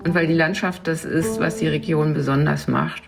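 A speaker lays out a simple idea in a calm, matter-of-fact way, the voice gravelly at the edges. Plucked guitar music sits clearly beneath the words. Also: medium pitch, normal speed. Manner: plain, matter-of-fact explaining. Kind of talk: calm spoken explanation.

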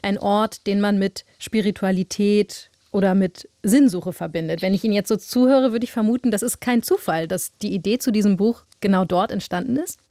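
A woman's voice: medium pitch, brisk, few pauses, mellow, no echo, studio quality. A woman hosting a radio interview, asking composed, probing questions.

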